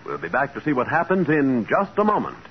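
A man's voice: mid-range voice, wildly swooping pitch, brisk. A man announcing and narrating in a dramatic, polished 1940s radio style. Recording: muffled 1940s radio recording. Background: loud music.

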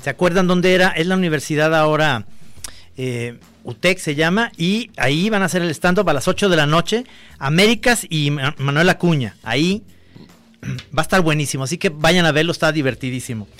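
Mexican male host, chatty and joking, quick delivery, higher voice. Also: fairly bright tone, no room sound. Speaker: podcast host. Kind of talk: casual chat.

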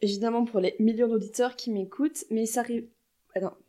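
A woman hosting a podcast in casual chat, playful and teasing and quick to laugh. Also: a little high, steady tone, warm tone. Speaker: podcast host.

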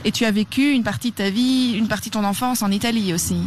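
A woman's voice: mid-range voice, fairly even intonation, quick pace, a little hiss or hum. A woman radio host introducing a segment and asking interview questions in a friendly way.

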